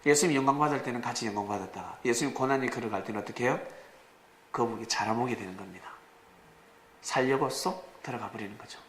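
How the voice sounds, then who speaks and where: A male pastor preaching a sermon with dramatic rises, sudden shouts and rhetorical questions to the congregation. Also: mid-range voice, fast talker, a little hiss or hum. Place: church sanctuary. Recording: echoey church room, faint ambience.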